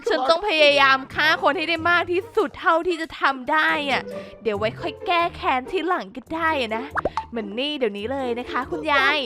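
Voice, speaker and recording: A woman's voice: high-pitched, lively intonation, brisk, few pauses. A woman giving playful game commentary, theatrically scolding characters and talking to her viewers. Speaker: gaming YouTuber. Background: background music.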